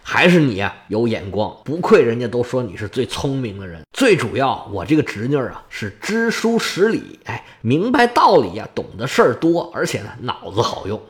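A man's voice: medium pitch, sing-song, normal speed, hardly any pauses, pitched below the performer's own voice, lightly acted. A man voicing a fretful old king. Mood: pleased. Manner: sighing, exasperated complaining. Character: worried old male king, fretful and eager.

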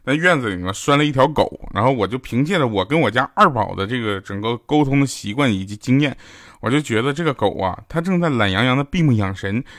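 A man's voice: medium pitch, expressive, fast, fairly bright tone, dry recording, studio quality. A man hosting a comedy show, telling funny stories in a chatty, teasing way. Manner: chatty, teasing, acts out quoted lines. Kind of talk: comic storytelling monologue. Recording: clear background music under the voice.

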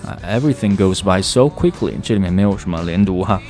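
A man teaching English pronunciation who explains step by step and repeats example phrases slowly for drilling. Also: low-pitched, animated. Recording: soft guitar music underneath.

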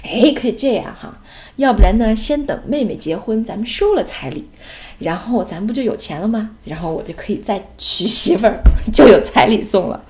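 A woman voicing her young son, a shrewd schoolboy who reasons things out loud and bargains cheekily. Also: sits high, animated, normal speed. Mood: scheming.

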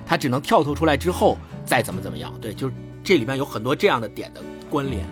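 Animated, fast-talking male storyteller. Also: mid-range voice, over music. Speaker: podcast host discussing a book. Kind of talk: casual storytelling chat.

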